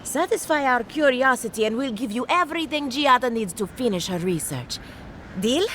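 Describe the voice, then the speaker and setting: A quirky woman scientist in a video game, clinical and patronizing. Her pitch leaps about theatrically, with a sing-song lilt and faint noise behind her. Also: expressive, normal speed, fairly bright tone. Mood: prying, smug. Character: eccentric, condescending woman researcher, fascinated by her specimen. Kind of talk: video game character dialogue.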